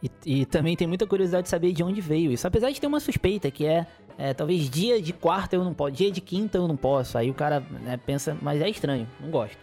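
A man's voice: a little high, lively intonation, quick pace, hardly any pauses, mellow, faint music behind. A man, hosting a casual solo podcast in a rambling, chuckling, playfully griping way. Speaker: podcast host.

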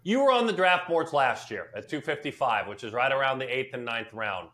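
A man's voice: mid-range voice, lively intonation, a little fast, a bit bright. A man hosting a conversational sports podcast, speaking earnestly and often repeating words for emphasis. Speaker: podcast host.

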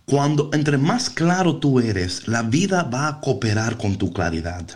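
A man's voice: medium pitch, very animated, unhurried. A man hosting a casual motivational talk, explaining things with rhetorical check-in questions and slipping English words and phrases into his Spanish. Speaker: talk show host.

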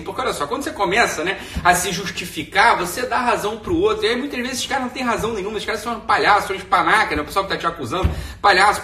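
A man's voice: high voice, pushed and bright, recorded from a distance, a little hiss or hum. A man with a Brazilian Portuguese accent hosting a live stream from home, rambling in slang and tagging his sentences with "né". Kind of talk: casual live stream monologue. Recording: echoey room, voice off mic.

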